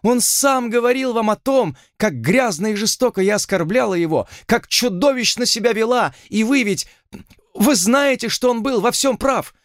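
A man's voice: very high voice, lively intonation, moderate pace, no room sound, clean studio sound, pitched above the performer's own voice. A man voicing a young plantation owner's daughter, speaking in a theatrical, pleading and melodramatic way.

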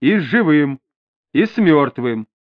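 A firm, level-headed inspector presses a suspect for answers, as a male narrator puts him on. He talks steadily, with a fairly high and lively voice. The audiobook sound is dull and lo-fi. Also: normal speed. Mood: pressing. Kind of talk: audiobook character voice.

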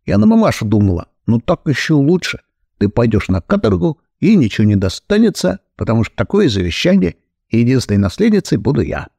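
A man's voice: medium pitch, big pitch swings, brisk, vocal fry, dark tone, slightly rough, dry recording, exaggerated voice. Mocking, spiteful young woman with a dry, close sound played by a male reader. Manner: gleeful, mocking. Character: spiteful lame young woman, sharp-tongued.

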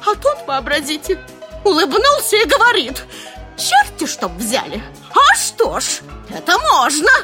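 An actress playing a frantic, tearful young secretary with a musical, slightly nasal voice in a radio drama. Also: female voice, very high-pitched, huge pitch swings, measured pace, pushed and bright, soft background music, exaggerated voice. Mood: agitated retelling. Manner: frantic, wailing, breathless retelling.

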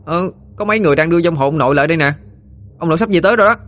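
A man's voice: lowish voice, a little fast, lightly acted. A man voicing a blunt, easily irritated village boy in an audio ghost story. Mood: urgent. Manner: grumpy, shouting.

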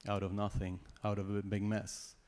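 A man's voice: on the low side, completely flat delivery, normal speed, darkish tone. Swiss German-accented man giving testimony. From Switzerland. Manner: informal, joking asides. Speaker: church guest giving testimony. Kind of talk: personal testimony talk.

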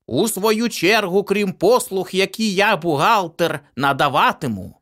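A gaunt old accountant, voiced by a man delivers stiff legal decrees, pitched noticeably high. His phrases are slow and deliberate. He sounds solemn and imperious. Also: a bit bright, heavily acted. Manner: measured legalistic pronouncements. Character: tall gaunt old male accountant, coldly formal.

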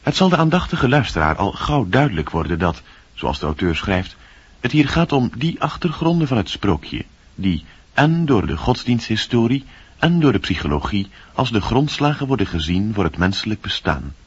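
A man giving a scripted, literary introduction to a radio play as announcer, with a husky voice. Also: lowish voice, very animated, normal speed. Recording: dull, dry old radio recording.

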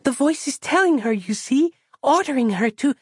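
A man reading an audiobook and voicing a small, naive girl who speaks in a high, piping, sing-song way. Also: expressive, normal speed, no echo, studio quality. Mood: naive, earnest. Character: small wise-sounding girl, naive and cheerful.

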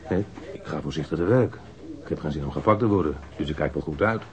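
An actor playing a defensive, rough-mouthed street robber under police questioning in a radio crime drama, slangy and halting. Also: male voice, rumbling low. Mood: earnest, insistent. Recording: dull lo-fi radio drama recording.

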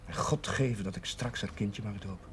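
An actor playing an earnest, devout young Catholic curate in a television drama, measured and formal in speech. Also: male voice, on the low side, a bit bright, slight background noise, close to an everyday voice. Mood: earnest, restrained. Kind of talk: 1970s Dutch television drama acting.

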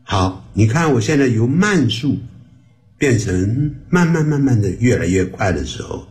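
A man's voice: medium pitch, very animated, measured pace, a little mellow. A man teaching English to beginners on the radio, drawing words out and repeating them for practice. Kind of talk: slow beginner language lesson. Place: radio studio.

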